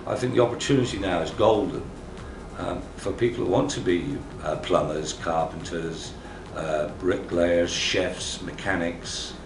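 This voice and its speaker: A man's voice: sits low, measured pace, noisy background. A middle-aged man who runs a building company, giving plainspoken career advice to young people. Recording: roomy, with music underneath.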